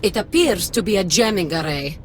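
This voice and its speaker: A woman's voice: fairly low pitch, animated, fairly quick, lightly acted. Dostya, a woman as a guarded cyborg commander. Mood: urgent. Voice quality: formal, clipped, precise. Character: female cyborg commander, cold, guarded, distrustful. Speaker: allied commander. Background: game score music.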